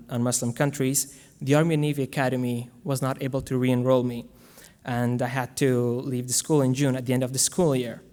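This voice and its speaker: A man's voice: medium pitch, a little mellow. Earnest young man. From Afghanistan. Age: young adult. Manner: earnest, measured storytelling. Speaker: guest speaker. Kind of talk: prepared speech to a school audience. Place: large school hall. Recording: long hall reverb.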